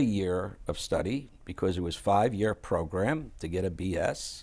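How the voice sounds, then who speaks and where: A man with a New York accent, fairly low pitch and a moderate pace. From New York City, Brooklyn. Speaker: pharmacist. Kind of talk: interview.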